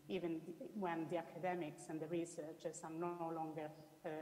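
Low-pitched Italian-accented woman in echoey hall. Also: mellow. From Italy. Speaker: academic researcher, presenter. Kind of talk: spoken presentation with slides. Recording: echoey hall with long reverb.

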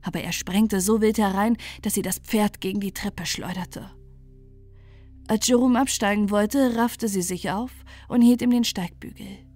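A woman calmly narrating a fairy tale for falling asleep, in a gentle, soothing manner. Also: medium pitch, a little slow, faint music behind. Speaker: storyteller.

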